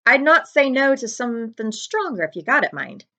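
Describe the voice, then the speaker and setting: A woman voicing a friendly, gruff, hungry giant man from a storybook, with rustic, ungrammatical speech. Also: a little high, big pitch swings, moderate pace, pushed and bright, voice pushed up, exaggerated voice. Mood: hearty, hungry.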